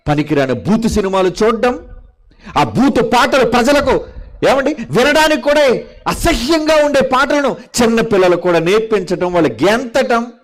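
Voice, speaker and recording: A man's voice: extremely high pitch, expressive, moderate pace. A man preaching a sermon in a scolding tone, firing off rhetorical questions at his listeners.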